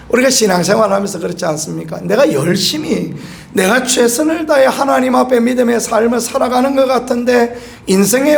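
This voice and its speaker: Middle-aged korean church pastor, gravelly fry, lots of rhetorical questions, preachy and emphatic. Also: male voice, sits high. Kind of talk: early-morning sermon. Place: church sanctuary.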